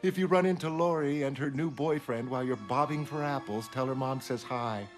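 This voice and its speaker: A man's voice: mid-range voice, brisk, natural voice. A man voicing a teasing, worldly older woman, a retired heroine chatting on the phone. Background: music.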